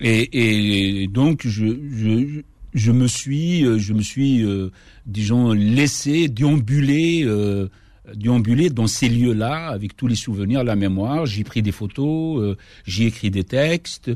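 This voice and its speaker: Speaking very slowly, a man keeps a medium pitch with ordinary pitch variation. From Kabylie, Algeria. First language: Kabyle (speaking French). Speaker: poet. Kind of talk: radio interview. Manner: halting.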